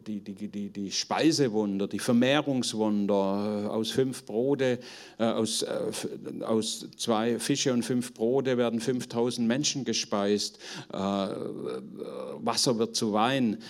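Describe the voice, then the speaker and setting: A middle-aged man teaching a group in an informal sermon, earnest and conversational, often halting as he searches for words. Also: on the low side, steady tone. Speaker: preacher teaching on spiritual gifts.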